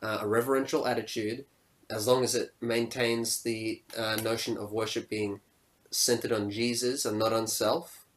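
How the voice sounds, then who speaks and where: A young man hosting a casual podcast discussion, upbeat and quick to laugh, often acting out reactions. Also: lowish voice, little pitch movement, a little hiss or hum. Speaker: podcast host.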